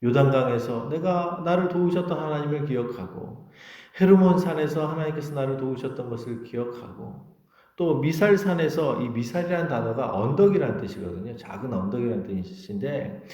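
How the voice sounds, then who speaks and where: A man's voice: medium pitch, expressive, brisk, dark tone, echoey room. A male pastor preaching a sermon with passion, often voicing prayers aloud in the first person.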